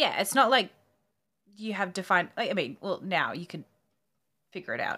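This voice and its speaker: A woman with an Australian accent speaks at a medium pitch and a moderate pace, in a bright, sharp tone. Her intonation is lively, with big swings in loudness and long, frequent pauses. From Western Sydney.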